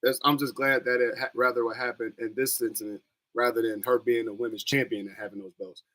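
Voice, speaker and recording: Mid-range and level, with a fairly bright tone, this young streamer's scratchy voice moves at a fairly quick clip. He's hosting a wrestling watch-along, chatting casually and rambling in loose, slangy talk.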